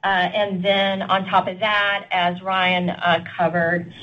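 A woman speaking as an airline executive on an earnings call, answering off the cuff in a halting, very hesitant way over a muffled conference line. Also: on the low side, flat delivery, a bit bright, slight background noise.

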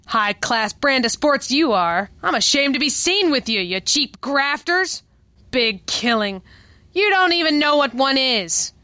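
A scornful hard-boiled cabaret dame in a radio play, high bright voice, sassy slang, mouthy. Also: female voice, expressive, measured pace, dry recording, heavily acted. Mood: defiant, contemptuous. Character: brassy, scornful young cabaret con woman.

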